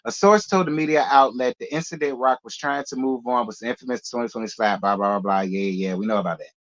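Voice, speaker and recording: A man's voice: mid-range voice, fast, fairly bright tone. A man hosting casual gossip commentary in a sassy, chatty way with laughing asides. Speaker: host. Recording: dull lo-fi.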